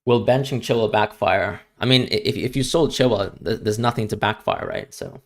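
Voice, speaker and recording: A man's voice: fairly low pitch, very animated, moderate pace, gravelly. Young man with an international school accent. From Hong Kong. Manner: chatty, repeats words when starting sentences. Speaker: streamer. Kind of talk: live-stream Q&A chat.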